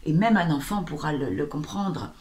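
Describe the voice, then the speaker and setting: Female spiritual guide being interviewed: lowish voice, lively storyteller who acts out scenes, echoey room. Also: normal speed. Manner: animated, acts out little everyday scenes. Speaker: sound healer and spiritual guide. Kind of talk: interview guest.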